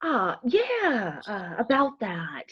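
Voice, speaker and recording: Comedy friend played by a woman: offhand, blunt student, fairly high and animated, lo-fi. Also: slow pace, husky, heavily acted. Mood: awkwardly blunt. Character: casually blunt, falsely encouraging young college friend. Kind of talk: staged reading of comedy sketch. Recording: dull lo-fi video-call audio.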